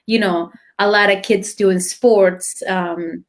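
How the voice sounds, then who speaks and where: A woman with an Argentine accent, a dancer guest telling her story in a relaxed, chatty interview, full of fillers. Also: mid-range voice, slow pace. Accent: Argentine Spanish. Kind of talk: casual interview chat.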